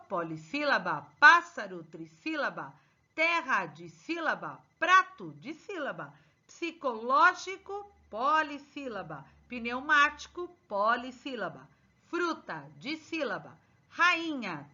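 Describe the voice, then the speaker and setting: A bright-voiced woman teacher works through exercise answers with her pupils, dwelling on each word. Her high voice swoops up and down as she stresses every answer, and the recording is dull and lo-fi. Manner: slow, emphatic, spelling out answers to pupils. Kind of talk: exercise correction lesson.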